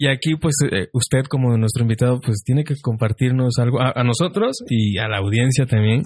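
A man with a Mexican accent speaks at a medium pitch, somewhat breathily, with ordinary pitch variation. He hardly pauses, and the sound is dry and close with no echo. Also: moderate pace. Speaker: podcast host and saxophonist. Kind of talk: casual interview chat.

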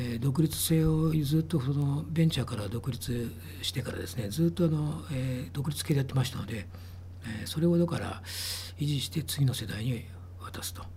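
A man speaks at a moderate pace with a medium pitch and very wide pitch swings. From Tokyo, Japan. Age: 50s. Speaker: company executive. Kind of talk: interview. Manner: hesitant, many fillers.

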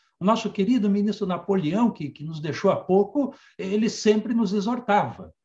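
Moderate pace with ordinary pitch variation. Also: man. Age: 60s. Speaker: high court judge. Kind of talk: lecture.

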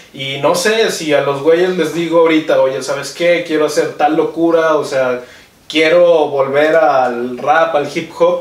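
A man speaks at a fairly slow pace in a fairly high pitch with fairly even intonation. Audible room echo and noticeable background noise come through. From Mexico, Guadalajara. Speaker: YouTuber. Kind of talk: casual chat.

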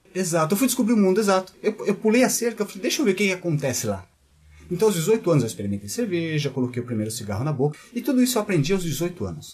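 At a very fast pace, a man talks in a high pitch. His pitch swings very widely. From Brazil, Mauá (São Paulo area). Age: 30s. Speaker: hypnotherapist. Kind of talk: interview.

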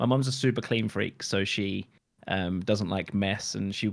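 With a British accent, a man talks at a moderate pace in a fairly low pitch. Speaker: podcast host. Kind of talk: casual chat.

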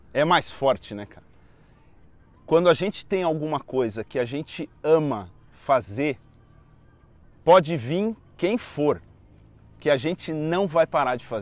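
A man with a fairly high pitch speaks at a fairly slow pace, leaving long, frequent pauses. His tone is animated, his intonation lively, and his loudness swings widely. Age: 40s. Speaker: interviewer. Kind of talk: casual chat. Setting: outdoors.

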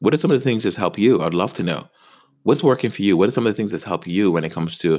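A man in a very clean recording with a silent background. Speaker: podcast host. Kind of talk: motivational monologue. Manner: repeats and stumbles on words.

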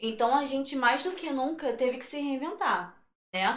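A woman's voice carries audible room echo. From Brazil, Niterói. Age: 20s. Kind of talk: casual interview chat. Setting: studio.

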